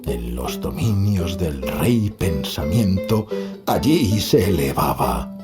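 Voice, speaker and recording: A man playing a melancholy, haunted poet who recites dark verse in a grandiose, declamatory way. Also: low-pitched, sing-song, takes it slowly, voice pushed down, heavily acted. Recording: loud guitar music over the voice. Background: plucked guitar music.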